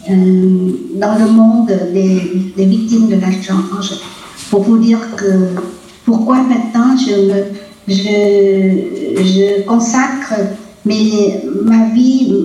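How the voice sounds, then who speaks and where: A woman in her eighties from Vietnam, giving a halting personal testimony at a colloquium. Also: medium pitch, warm tone. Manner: halting, with many hesitations and repeated words. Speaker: conference speaker. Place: lecture hall. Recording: roomy lecture hall, distant mic.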